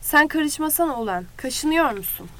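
A woman's voice: high-pitched, animated, normal speed, sharp tone, voice pushed up. A woman voicing a hot-headed, quarrelsome young man in a storybook reading. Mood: belligerent. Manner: picks fights, snarling. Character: hot-headed short young male rancher's son.

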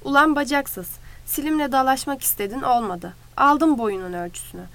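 A woman's voice: high voice, moderate pace, fairly bright tone. A woman voicing a crude, mocking man who taunts others in a storybook reading. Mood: taunting. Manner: sneering, taunting. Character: crude, mocking male ranch hand.

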